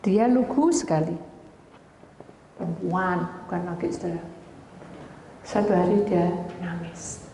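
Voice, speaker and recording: A woman's voice: on the low side, a little slow, pauses often. Woman preaching in an echoey hall. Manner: animated storytelling, often addressing listeners as "brothers and sisters". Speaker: pastor. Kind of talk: sermon with personal testimonies. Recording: echoey hall with long reverb, faint noise.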